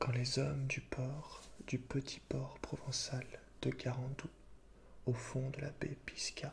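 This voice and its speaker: A soft-spoken, gentle-toned voice at a very slow pace, with long, frequent pauses. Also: man. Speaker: ASMR creator. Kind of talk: ASMR literary reading (soft voice).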